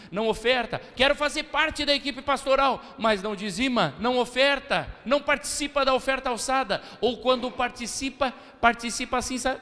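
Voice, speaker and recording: A man's voice: high-pitched, fairly bright tone. A man with a Brazilian Portuguese accent preaching a sermon as pastor, drawing call-and-response from the congregation and acting out the voices of church members. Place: church sanctuary, long reverb. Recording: hall reverb of a church service.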